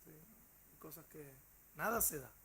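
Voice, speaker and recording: Bright-voiced Rioplatense Spanish teacher. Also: male voice, a little high, measured pace, a little hiss or hum. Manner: animated storyteller with hesitations. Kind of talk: storytelling class.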